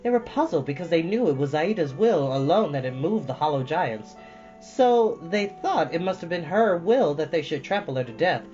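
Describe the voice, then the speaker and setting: A man reading a storybook aloud as host, with expressive, deliberately stressed phrasing. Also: on the high side. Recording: dull lo-fi sound with music behind.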